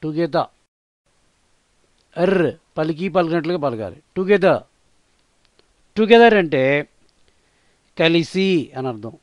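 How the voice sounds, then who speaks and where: A man with a Telugu accent teaching English vocabulary, spelling each word letter by letter and repeating it slowly. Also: a little high, expressive, darkish tone, no room sound. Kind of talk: slow vocabulary lesson, spelling and repeating words.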